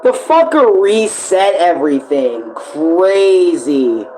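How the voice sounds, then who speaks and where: A man's voice: high-pitched, sing-song, slow, dark tone, slight background noise, rough recording. Casual, slangy young-sounding guy reacting. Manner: slangy, profanity-laden. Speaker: reaction video host. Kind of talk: casual live reaction commentary.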